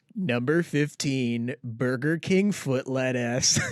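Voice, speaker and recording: This is a put-on character voice at a low-to-middle pitch. The pace is very slow. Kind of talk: polished presenter tone. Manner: upbeat, scripted.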